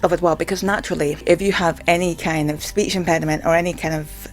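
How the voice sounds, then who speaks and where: A video blogger with a stammer rambles casually to camera, hesitant and leaning heavily on fillers, especially "like." The mid-range voice has fairly even intonation and a fast pace, with faint music playing behind.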